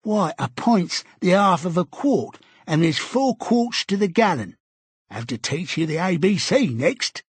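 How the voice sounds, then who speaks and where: A man voicing a stubborn, grumbling old man in an audiobook, with a husky, cantankerous, slangy delivery. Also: sits high, very animated, dry recording, voice pushed up, exaggerated voice. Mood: indignant. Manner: cantankerous, slangy, drawn-out complaining. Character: grumbling old male London prole, stubborn. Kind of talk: audiobook character voice.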